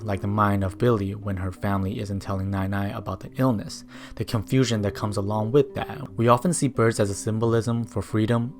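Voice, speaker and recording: Low-voiced man. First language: Mandarin. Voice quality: non-native but fluent English. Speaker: video essayist. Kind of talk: scripted film commentary.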